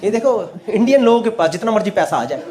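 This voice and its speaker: A man performing stand-up comedy, telling an animated story and chatting with the audience. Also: high-pitched, fast. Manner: animated, acts out both sides of dialogues. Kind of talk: stand-up storytelling and crowd work. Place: comedy venue before a live audience. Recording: echoey venue with loud crowd laughter.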